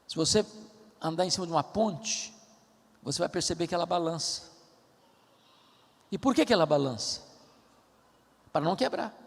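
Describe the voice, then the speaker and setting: A man with a Brazilian Portuguese accent preaching a sermon in a church, with emphatic storytelling and drawn-out stressed words. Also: fairly high pitch, expressive, gravelly, husky. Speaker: pastor. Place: large church auditorium. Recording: reverberant church hall.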